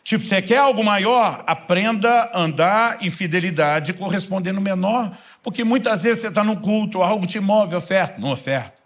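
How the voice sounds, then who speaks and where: A middle-aged preacher speaks in a fairly high voice for a man. He tells his sermon as conversational stories and at times sinks into a soft, low tone. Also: moderate pace, few pauses. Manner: storytelling, conversational, drops soft and low in quiet passages.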